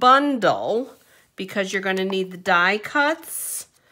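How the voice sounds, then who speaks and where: A woman speaks in a bright, sharp tone. Her pitch swings are very wide. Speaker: craft demonstrator. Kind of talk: tutorial.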